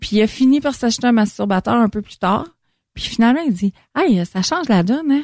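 In a normal speaking voice, a woman talks at a fairly quick pace with lively intonation and a fairly high pitch, on a very clean recording with a silent background and a dry, close sound with no echo. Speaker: adult products sales ambassador. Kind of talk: product presentation.

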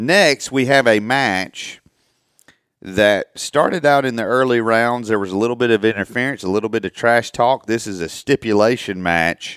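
A man at medium pitch and a moderate pace, with ordinary pitch variation, on a very clean recording with a silent background. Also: dry, close sound with no echo. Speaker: podcast host. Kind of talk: fantasy wrestling show hosting, play-by-play style banter. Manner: energetic, hyped announcer delivery.

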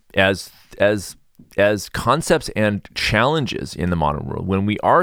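The recording is very clean, with a silent background. A man with a fairly low voice speaks in an animated tone. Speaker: podcast host and wellness center director. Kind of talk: casual monologue. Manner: mellow.

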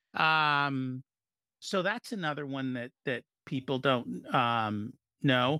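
With an American accent, a man speaks at a very slow pace in a medium pitch with ordinary pitch variation. His tone is bright and sharp, the sound dry and close with no echo. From India, raised in the US. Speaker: business profitability advisor. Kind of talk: interview.

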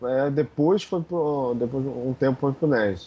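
A man with a fairly high voice speaks at a very slow pace. His intonation is lively. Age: 20s. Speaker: gaming community administrator. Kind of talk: casual chat.

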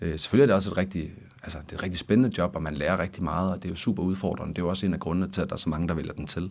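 Very deep and low in pitch, a man talks at a very fast pace with ordinary pitch variation. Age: 30s. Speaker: lawyer and union association chair. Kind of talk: interview. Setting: studio. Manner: halting, many repetitions and fillers.

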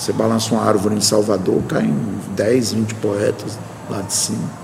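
Noticeable background noise sits behind the recording. The man's delivery is fairly quick. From Brazilian Northeast, Pernambuco backlands. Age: 50s. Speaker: writer. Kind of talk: interview. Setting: empty room, opera in background.

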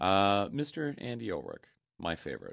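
A man at a moderate pace, his voice dipping into vocal fry. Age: 30s. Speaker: radio show host on firearms and self-defense. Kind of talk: casual chat.

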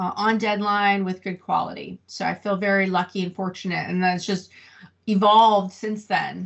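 With a Californian accent, a woman talks at medium pitch in a monotone, flat intonation. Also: moderate pace. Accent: General American (California). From Northern California, Sonoma County. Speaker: veteran Marine and military journalist. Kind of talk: interview.

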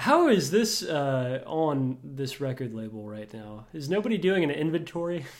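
With an American accent, the speaker talks at a moderate pace with hardly any pauses, very wide pitch swings and big swings in loudness. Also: man, fairly high pitch for a man. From US Midwest. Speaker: metal podcast host. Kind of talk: casual chat. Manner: hesitant, many fillers.

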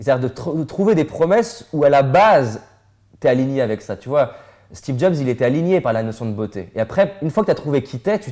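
This man has a fairly high pitch and a dark, mellow tone. He talks at a fairly quick pace with very wide pitch swings. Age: 30s. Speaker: motivational speaker and entrepreneur. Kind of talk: interview.

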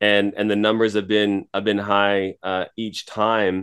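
Someone with a Canadian accent and a plain, everyday voice speaks at a moderate pace. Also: man. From Toronto, Canada. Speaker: pastor. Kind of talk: casual chat.

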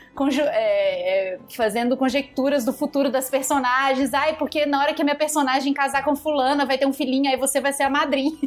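A woman talks at a fairly quick pace with hardly any pauses, her pitch high and intonation fairly even. Her loudness stays very even over noticeable background noise. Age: 20s. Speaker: poet and content creator. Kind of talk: casual chat.

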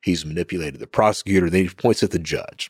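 A man at a very fast pace, with an Appalachian accent, in a dry, close sound with no echo. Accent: Appalachian Kentucky. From US South, Eastern Kentucky. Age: 50s. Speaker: former cybercriminal. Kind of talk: interview, storytelling. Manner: animated.

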